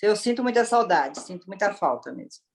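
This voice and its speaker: A woman actress born in Italy and raised in Brazil, chatting in an interview as a lively storyteller full of exclamations. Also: mid-range voice, a little fast. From born in Turin, Italy, raised in Brazil. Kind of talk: casual interview chat.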